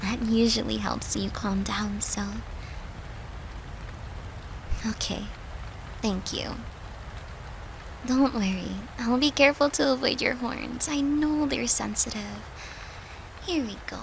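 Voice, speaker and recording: A woman playing a devoted, tender girlfriend who soothes her lover in a soft, affectionate, intimate roleplay. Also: on the high side, creaky, background noise. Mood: tender, soothing. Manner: soft, soothing, affectionate, unhurried, at times whispering. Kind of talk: intimate roleplay audio, comforting.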